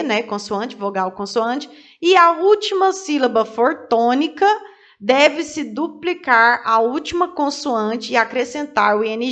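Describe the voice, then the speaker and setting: A woman's voice: a little high, a bit bright. A woman teaching a video lesson, explaining step by step, asking and answering her own questions and spelling out letters one by one. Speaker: English teacher.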